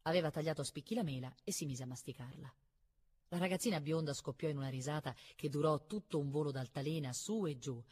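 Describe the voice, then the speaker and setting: Woman calmly reading a novel aloud. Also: low-pitched, husky. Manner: calm, measured narration. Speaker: reader.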